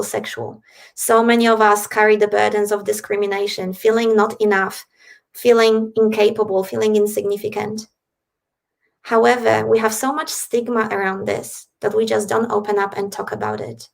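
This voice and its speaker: Gravelly-voiced woman from Poland. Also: medium pitch, steady tone, moderate pace. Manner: earnest, reflective. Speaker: podcast guest. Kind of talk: interview storytelling.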